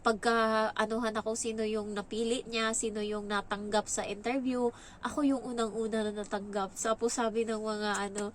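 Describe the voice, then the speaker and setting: A woman's voice: on the high side, little pitch movement, moderate pace, slight background noise. A young woman with a Filipino accent telling a story in casual vlog chat. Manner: chatty, acts out quoted lines in a raised voice. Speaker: vlogger.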